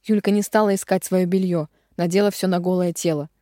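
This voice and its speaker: A woman narrating a romance audiobook dramatically, slowing on the heavy phrases. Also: fairly low pitch, steady tone, dark tone, no room sound, studio quality.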